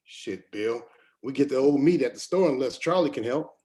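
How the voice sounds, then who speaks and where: A man's voice: medium pitch, animated, moderate pace, dark tone, lightly acted. A man playing a proud, skeptical miner who speaks plainly, in a screenplay table read. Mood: frustrated.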